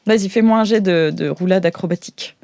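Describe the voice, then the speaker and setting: Acting as game master, a woman improvises colloquial narration for a tabletop role-playing game, stringing her sentences together hesitantly. Her mid-range voice is mellow yet brisk, with slight background noise.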